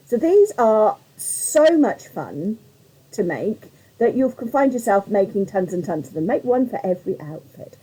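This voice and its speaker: A woman with a slightly croaky voice hosting a live craft tutorial, chatting in a rambling way and greeting viewers by name. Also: medium pitch, very animated, unhurried, dark tone, a little hiss or hum, rough recording.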